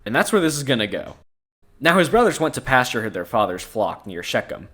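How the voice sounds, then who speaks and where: A man's voice: medium pitch, sing-song, a little fast, a bit bright. A man co-hosting a podcast, reading scripture aloud and breaking off into crude jokes and frequent laughter. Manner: laughs often, crude and joking. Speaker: podcast co-host.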